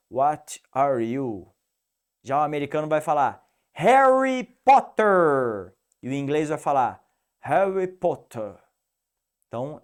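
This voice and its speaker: A male English teacher with a Piracicaba accent, giving an animated, didactic video lesson and repeating the rules for the student. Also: medium pitch. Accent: Piracicaba interior São Paulo, rolled R.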